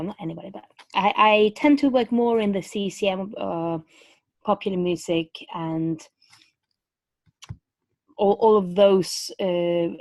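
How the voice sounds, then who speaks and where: A woman's voice: medium pitch, dry recording. A woman with a Norwegian accent, a vocal coach teaching a webinar over a video call in a chatty way with many fillers and restarts, speaking around a bitten tongue.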